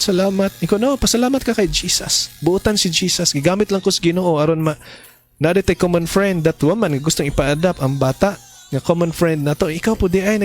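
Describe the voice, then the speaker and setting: A middle-aged man with a Cebuano accent preaching a testimony sermon, mixing in English phrases, with an emphatic, pleading delivery. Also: fairly high pitch. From Philippines. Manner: mixes English phrases into his speech.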